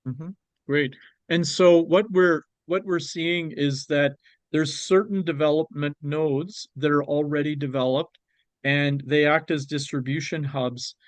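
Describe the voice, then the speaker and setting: A man with a Canadian accent presenting on export markets, talking it through with a guest and pausing often on ums and restarts. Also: fairly high pitch, fairly even intonation, no room sound. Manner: hesitant, with many ums and restarts.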